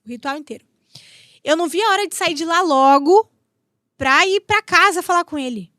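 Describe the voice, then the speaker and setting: A woman's voice: extremely high pitch, lively intonation, moderate pace, bright, forceful tone, no room sound, clean studio sound. A Brazilian woman in her thirties, a podcast guest telling a personal story with emotion, repeating herself and acting out what people said. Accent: Brazilian Portuguese. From Brazil, São Paulo state. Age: 30s. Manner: emotional, acts out dialogue with repetitions. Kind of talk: storytelling in an interview.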